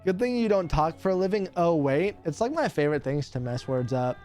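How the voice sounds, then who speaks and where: A man's voice: on the high side, expressive, brisk, darkish tone, faint music behind. A young man, a radio host streaming casually while opening cards, teasing his chat and laughing often.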